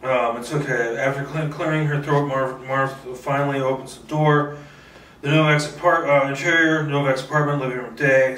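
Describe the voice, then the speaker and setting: Bright-voiced man reading a script aloud. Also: medium pitch. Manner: stumbles and repeats words while reading. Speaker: script reader. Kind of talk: informal screenplay table read, narrating action. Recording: roomy echo, distant mic.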